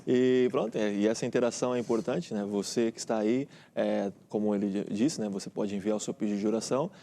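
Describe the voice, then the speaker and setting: Brazilian pastor guy co-hosting, mellow dark voice, chatty, keeps saying né. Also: on the low side, fast, creaky, slight background noise. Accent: Brazilian Portuguese. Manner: chatty, often ends with "né?". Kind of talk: casual co-host chat.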